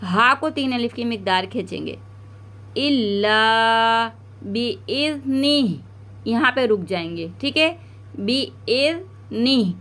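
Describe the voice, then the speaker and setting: A woman teaching Quran recitation step by step, drawing out each word slowly to model it, then explaining quickly, with a South Asian Urdu accent. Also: fairly high pitch, lively intonation, sharp tone.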